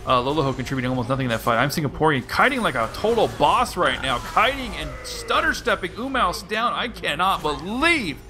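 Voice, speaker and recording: A man doing excited play-by-play commentary on a video game match, often exclaiming. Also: on the high side, a little fast, few pauses, music in the background. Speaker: esports caster.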